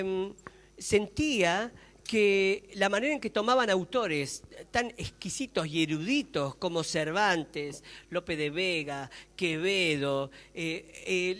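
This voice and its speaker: A man with an Argentine accent discussing his views at a public talk, emphatic and halting, repeating himself. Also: high-pitched, a bit bright. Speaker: guest speaker. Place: public talk room in a library. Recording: echoey hall reverb.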